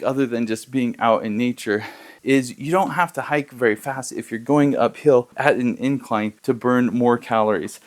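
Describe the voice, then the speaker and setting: A man of medium pitch talks through a product demonstration in an easygoing, explanatory way. He keeps talking as he walks on a treadmill. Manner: plain, explanatory, talks while walking on a treadmill. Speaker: product reviewer.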